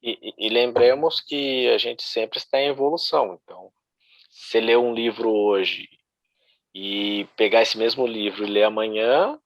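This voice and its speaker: A man in a group discussion, speaking in a measured, slightly formal way. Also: lowish voice, fairly even intonation, no room sound, dull audio.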